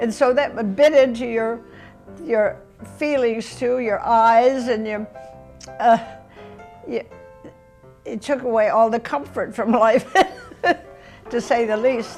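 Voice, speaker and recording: Over music in the background, a woman with a fairly high pitch speaks at a fairly slow pace, with ordinary pitch variation and long, frequent pauses. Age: old. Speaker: film actress. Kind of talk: interview answer. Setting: in a moving car.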